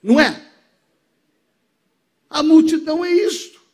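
A man's voice: extremely high pitch, lively intonation, takes it slowly. A man preaching a sermon in church on a microphone, emphatic and calling out for amens. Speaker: pastor. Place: church service.

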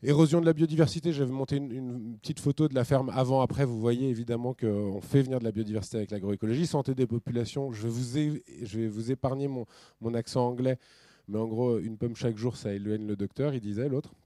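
Guy giving a talk with slides, mellow voice, dry close sound, lots of euh and restarts. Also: mid-range voice, fast, no room sound. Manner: lively, many restarts and fillers. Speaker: speaker.

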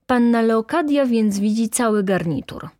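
A woman voicing a hot-tempered, indignant poor young male student who shouts in outrage. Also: on the high side, lively intonation, moderate pace, voice pushed up, close to an everyday voice.

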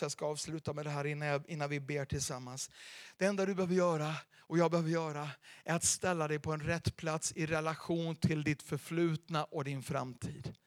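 A middle-aged man preaching a sermon as pastor, lively and dramatic, swinging between loud and soft. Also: fairly high pitch, dry recording, studio quality. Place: church.

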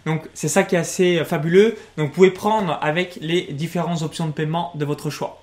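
Male webinar co-host; salesy, upbeat pitch; reads comments aloud. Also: steady tone, brisk. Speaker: co-host reading chat and selling coaching.

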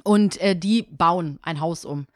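A woman's voice: on the low side, slow, no room sound. Chatty woman in a dry room. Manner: chatty, agreeing backchannels, retells stories. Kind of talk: casual chat.

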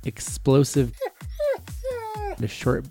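A man's voice: medium pitch, steady tone, takes it slowly, creaky, warm tone, faint music behind. A man co-hosting a casual podcast chat, explaining things in a bookish way. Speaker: podcast co-host.

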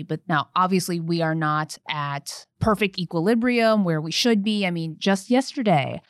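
A young woman attorney recounts a workplace story in an earnest, conversational podcast tone. Her voice sits on the low side and is recorded close and dry, with no room sound. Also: clean tone, no echo.

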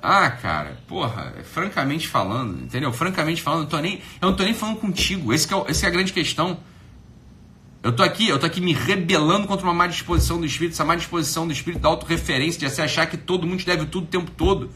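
A man's voice: a little high, animated, quick pace, pushed and bright, slight background noise. A Brazilian man hosting a livestream, scolding a critic in a mocking, profane rant. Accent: Brazilian Portuguese. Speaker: livestream host.

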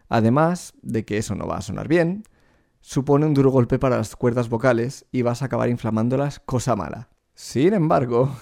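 A man with an ordinary middle-pitched voice leads a singing lesson. He explains each point clearly and speaks straight to the learner. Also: mellow. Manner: clear explanatory teaching, addresses the learner directly. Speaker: vocal coach.

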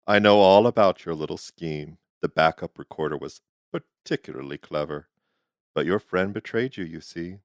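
Smug, manipulative man of power, played by a male actor, deep and dry, falsely courteous, talks down to people; audio drama. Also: normal speed, dry recording. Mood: gloating, condescending. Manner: condescending, gloating.

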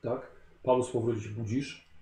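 A man's voice: medium pitch, fairly even intonation, normal speed, dark tone, reverberant, a little hiss or hum. A man as game master, narrating a tabletop game in a descriptive way with filler sounds.

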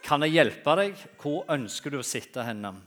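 A man's voice: a little high, big pitch swings, fairly bright tone. A man voicing a chatty, tactless male church greeter who talks in a friendly, confiding way.

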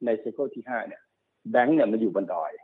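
A man working as a stock market analyst, explaining market cycles quickly and repeating himself, often checking that the listener follows. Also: mid-range voice, animated, husky. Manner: fast, repetitive explaining, often checks understanding. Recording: narrow phone-like sound.

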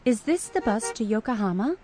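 An actress playing a polite traveler asking questions in a textbook dialogue. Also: female voice, fairly high pitch, very animated, a little fast, mellow. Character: polite female traveler at an airport.

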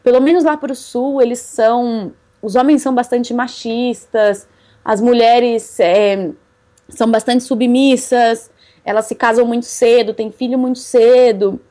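A woman's voice: on the high side, fairly even intonation, a little slow, dark tone. A young Brazilian woman telling about her bicycle travels in a casual interview, chatty and laughing often. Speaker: cycle traveler guest.

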